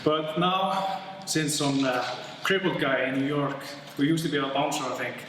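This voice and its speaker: A man's voice: fairly high pitch, moderate pace. Man doing stand-up in an echoey hall. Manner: animated, puts on excited voices for jokes. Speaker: first-time stand-up comedian. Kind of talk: stand-up set. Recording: echoey hall, distant mic, noise.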